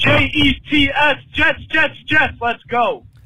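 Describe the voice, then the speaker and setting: Noticeable background noise accompanies a speaker with an American accent. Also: man. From New York City (the Bronx). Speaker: caller. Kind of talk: voicemail question.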